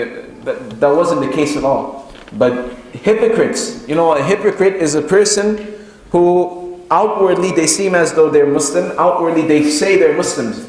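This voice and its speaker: A man's voice: a little high, slight background noise. A man giving a sermon as a Muslim preacher, teaching in a didactic way with repeated phrases and rhetorical questions for emphasis. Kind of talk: sermon, lecture to a congregation. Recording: very echoey hall with long reverb.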